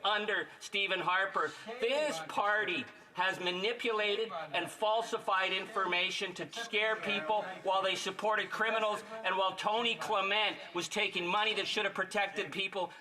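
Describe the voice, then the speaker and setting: A man's voice: sits high, low-quality recording. A man with a Canadian accent speaking as a member of parliament in a combative, indignant, accusatory way.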